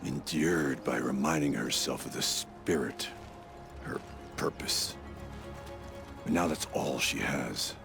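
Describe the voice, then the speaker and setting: An actor playing a grave, battle-worn tribal warrior in a video game, speaking in solemn, terse, weighty phrases with a gravelly voice. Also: male voice, very deep voice, takes it slowly, exaggerated voice. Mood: grave, bitter. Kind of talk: dramatic video game cutscene acting. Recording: music under the voice.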